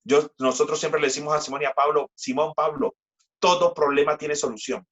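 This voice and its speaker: A man, preaching a sermon as pastor and reading scripture slowly with emphatic repetition. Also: flat delivery, a bit bright, muffled recording. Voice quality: deep voice. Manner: slow, emphatic scripture reading with repeated phrases.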